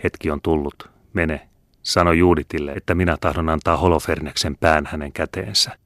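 A man reading the part of a scheming male Jesuit priest in a low, murmuring voice. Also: fairly even intonation, fairly bright tone, dry recording. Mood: urging.

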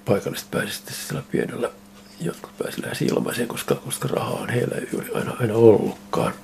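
An older male ceramic artist tells his stories with animated energy, acting out the exchanges he remembers. His voice sits low with a gravelly edge, over a faint background hiss. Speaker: ceramic artist interviewed about his photos. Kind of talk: casual storytelling interview.

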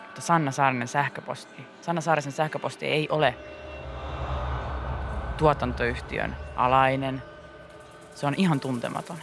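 A woman's voice: a bass voice, steady tone, gravelly, long pauses. A woman radio host telling a spooky story in casual chat, with dramatic, suspenseful delivery. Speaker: radio morning show host. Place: radio studio. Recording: radio studio with music bed.

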